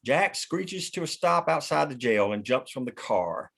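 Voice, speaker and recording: A man's voice: mid-range voice, animated, unhurried, gravelly, a bit bright, slightly rough. A man hosting a script table read, reading stage directions and chatting casually. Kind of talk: script narration and casual discussion.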